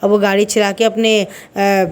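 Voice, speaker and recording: A woman's voice: mid-range voice, flat delivery, unhurried, smooth. A woman casually retelling a fan story, repeating speech tags as she goes. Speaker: fanfiction story explainer.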